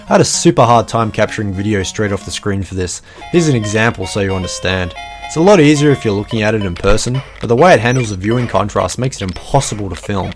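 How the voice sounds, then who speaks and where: A man's voice: fairly low pitch, lively intonation, fast, soft background music. A man narrating a scripted retro video game review, with wry, self-deprecating jokes between points.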